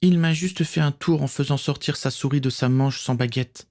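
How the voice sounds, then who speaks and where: A man voicing a gentle, trusting young girl with a high, innocent voice. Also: normal speed, natural voice.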